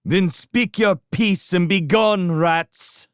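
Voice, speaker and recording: A man voicing a harsh, unafraid female badger who shouts commands. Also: high voice, takes it slowly, clean tone, dry recording, clean studio sound, pitched above the performer's own voice. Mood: defiant.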